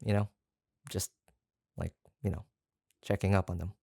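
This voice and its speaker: An actor playing an obsessive, doting yandere kidnapper in a roleplay audio drama, halting and coaxing, tender yet menacing. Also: deep voice, flat delivery, vocal fry, mellow, no echo, studio quality. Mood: earnest, scheming. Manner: halting, gushing, coaxing, with nervous stammers. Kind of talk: roleplay audio drama, intimate one-sided monologue.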